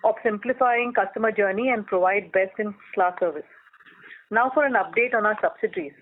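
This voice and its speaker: Casting: company executive, formal scripted results delivery, mid-pitched voice, narrowband telephone sound. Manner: formal, measured corporate reading. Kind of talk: scripted earnings call presentation. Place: telephone conference call. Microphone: phone line. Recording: tinny, narrowband phone line.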